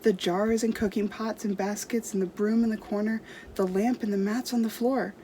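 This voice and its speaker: A woman's voice: medium pitch, fairly even intonation, normal speed, dark tone, a little hiss or hum. A woman storyteller reading a storybook aloud to children expressively.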